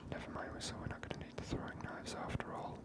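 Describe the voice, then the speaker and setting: A game streamer speaks entirely in a whisper, giving ASMR commentary on play. The delivery is hushed and breathy, with the voice barely sounding at all. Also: quick pace.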